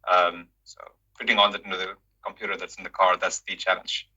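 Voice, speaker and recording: Male tech lead, lowish pitch, rapid and choppy with repeated words, casual explanation, muffled conference-call sound. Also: flat delivery, pushed and bright, husky. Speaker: company engineering leader answering questions. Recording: dull lo-fi conference call audio.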